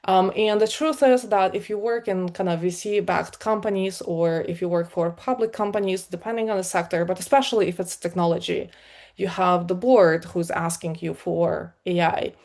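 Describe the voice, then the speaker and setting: A middle-aged woman from Ukraine with a Ukrainian accent, giving a conversational conference talk as a product leader, with many fillers and an energetic delivery. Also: fairly low pitch, normal speed. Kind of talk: live talk to an online meetup.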